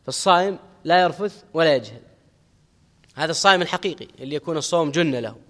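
A middle-aged male religious scholar gives a lesson at a quick clip, his voice sitting a little high. He explains a text, quotes scripture, and repeats the key phrases for emphasis. His voice rings with a long hall reverb. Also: lively intonation, a bit bright. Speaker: Islamic scholar teaching hadith commentary.

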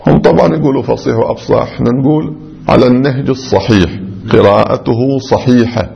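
Gravelly male seminary teacher. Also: medium pitch, fast. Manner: explains step by step, repeating examples and sounding out letters. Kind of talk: religious jurisprudence lecture. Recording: dull lo-fi recording.

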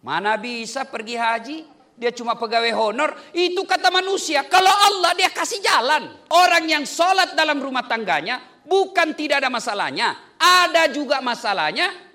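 A man preaching a humorous sermon on marriage, joking with the congregation as he goes. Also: very high voice. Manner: joking, lively delivery with playful asides to the congregation.

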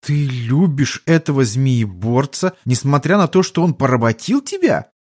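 A man's voice: a little high, lively intonation, normal speed, darkish tone, lightly acted. A man voicing a proud white-haired young serpent woman who speaks insistently, in a lecturing way. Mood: probing.

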